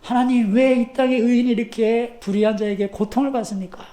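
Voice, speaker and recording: A man's voice: very high-pitched, fairly even intonation, brisk, mellow. A man voicing an exasperated male prophet who protests to God with indignant, pleading questions. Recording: echoey church sanctuary.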